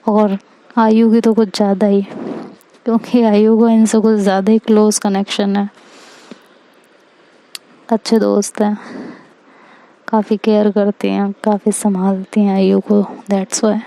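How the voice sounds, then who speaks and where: A woman's voice: medium pitch, level tone, a little slow, pauses often, mellow, natural voice, poor audio. A woman voicing an adult female friend who explains fondly why everyone respects someone, in a story she narrates. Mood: explaining.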